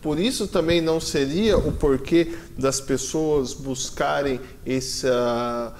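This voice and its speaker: A man hosting a TV interview, asking long questions with pauses and rephrasing. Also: on the high side, darkish tone, a little hiss or hum. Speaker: TV host.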